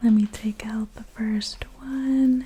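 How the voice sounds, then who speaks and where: Soft-spoken delivery at a very slow pace. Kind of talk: ASMR soft-spoken show and tell.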